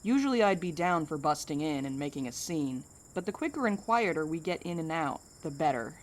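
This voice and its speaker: Woman playing a lower-voiced, pragmatic, dry woman. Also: expressive, a little fast. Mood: steady, reassuring. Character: steady, pragmatic, protective woman, wryly skeptical. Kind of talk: naturalistic audio drama acting.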